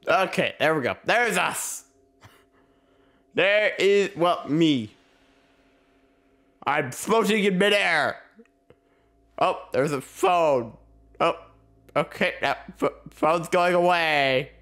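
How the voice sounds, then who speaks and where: A man's voice: a little high, lively intonation, slow pace, pauses often, fairly bright tone. A young man with a sore throat and slight cough, giving rambling, self-deprecating casual commentary on a game he plays and chuckling often. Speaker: gaming channel host. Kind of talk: casual let's play commentary.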